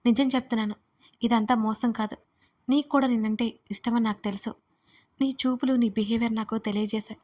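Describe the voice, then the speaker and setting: A woman's voice: a little high, steady tone, brisk, a little mellow, lightly acted. A woman voicing a possessive, domineering young man in an audiobook story, speaking in a smug, threatening way. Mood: earnest. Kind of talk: audiobook dialogue reading.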